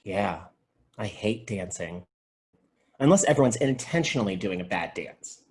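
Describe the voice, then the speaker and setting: An earnest, geeky video clerk and film buff, acted by a man, with a lively voice that swings up and down. He is literal-minded, speaking in a comedy table read. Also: lowish voice, measured pace. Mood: friendly, deadpan. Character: earnest, geeky male video store clerk, movie expert.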